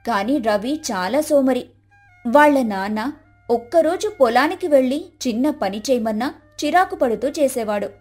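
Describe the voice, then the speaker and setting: A woman storyteller reading a scripted tale as narration. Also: on the high side.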